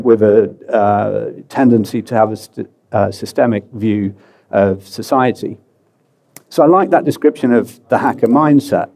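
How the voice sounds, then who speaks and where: A man from the UK with a British accent, talking at a conference in a low, warm voice. He talks casually and loosely, with filler words and joking asides about himself. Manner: relaxed, chatty, many fillers and self-deprecating asides. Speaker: conference speaker. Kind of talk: presenting a conference talk. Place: conference hall.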